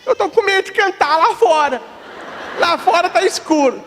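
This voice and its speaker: A man voicing a small, stubborn boy who shouts and whines, in a reverberant church hall. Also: animated, normal speed, a little hiss or hum. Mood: whiny, insistent. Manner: shrill, whining, yelled.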